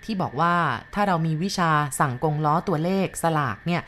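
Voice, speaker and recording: ผู้หญิงเล่าเรื่องแล้วพากย์เป็นครูชายที่ติดการพนันหวย พูดจริงจังแบบกระซิบกระซาบวางแผน. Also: female voice, low voice, lively intonation, brisk, fairly bright tone, a little hiss or hum. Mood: earnest. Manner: eager, conspiratorial. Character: older male teacher hooked on lottery gambling.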